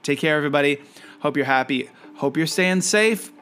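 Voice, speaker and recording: A man's voice: on the high side, animated, fairly quick, fairly bright tone, soft background music. A man from Canada hosting a casual solo podcast, talking in a friendly, rambling way with many fillers and restarts. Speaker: podcast host; environmental educator.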